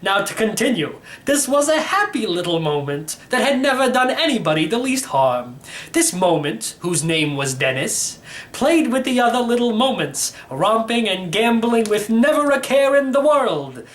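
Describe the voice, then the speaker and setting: A man's voice: extremely high pitch, very animated, normal speed, fairly bright tone, heavily acted. A man voicing an elderly, slightly crazy uncle in a storybook, rambling and teasing with theatrical emphasis. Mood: storytelling. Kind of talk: acted storybook reading.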